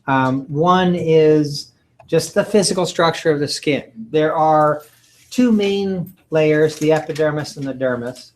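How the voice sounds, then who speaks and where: A man giving a recorded lecture from slides, halting often with ums and uhs and clearing his throat. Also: a little high, rough recording. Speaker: college lecturer.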